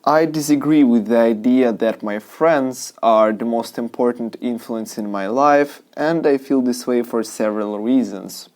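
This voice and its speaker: A man's voice: medium pitch, unhurried, hardly any pauses, a little mellow. A young man, a university student, giving a structured spoken exam answer with frequent "uh" fillers. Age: young adult.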